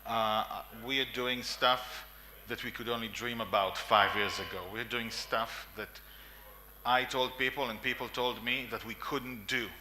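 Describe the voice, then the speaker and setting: Pushed and bright, the mid-range voice of this Israeli-accented conference speaker in his forties moves at a measured pace with fairly even intonation. He speaks emphatically in a meeting room, repeating lists and often coughing or using fillers.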